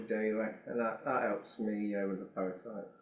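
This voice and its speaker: A man's plain, everyday voice at medium pitch and moderate pace. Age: 50s. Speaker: guest in spiritual conversation. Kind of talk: casual chat.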